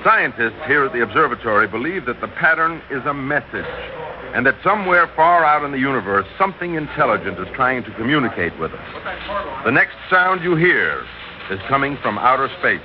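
An actor playing a confident radio announcer in a vintage radio drama. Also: male voice, mid-range voice, big pitch swings, brisk, a crowd in the background, natural voice. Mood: announcing. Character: radio announcer reporting a space message, man. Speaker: radio broadcaster. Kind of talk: 1960s radio drama acting. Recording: dull old radio recording with hiss.

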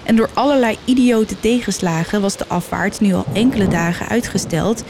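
A woman reads an old sea legend aloud in a measured, dramatic voice that sits at a middle pitch. Faint noise runs under her reading. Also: a little mellow. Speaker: storyteller. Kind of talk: scripted narration.

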